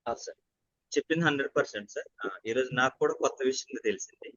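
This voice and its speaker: Bright, deferential man. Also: mid-range voice, racing, no room sound, highs cut off. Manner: polite and deferential. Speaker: co-presenter.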